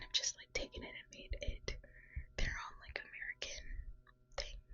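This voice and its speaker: A woman is whispering. Her pace is moderate. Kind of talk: ASMR whisper ramble to camera. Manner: whispered.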